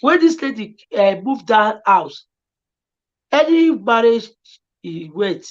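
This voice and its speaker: A woman's voice: mid-range voice, very animated, slow pace, lo-fi sound. A woman with a Nigerian accent, a guest on a talk show, giving earnest, repetitive and pleading advice. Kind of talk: emotional advice-giving chat.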